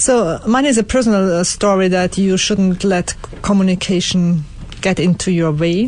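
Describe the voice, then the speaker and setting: A woman talks at medium pitch and a moderate pace, with ordinary pitch variation and very even loudness. Noticeable background noise is present. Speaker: radio host, image consultant. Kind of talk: radio interview.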